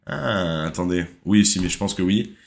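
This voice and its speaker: Chatty young French man, low voice. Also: moderate pace, vocal fry. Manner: relaxed, chatty, full of hesitations. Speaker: driving school live host. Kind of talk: casual live quiz revision.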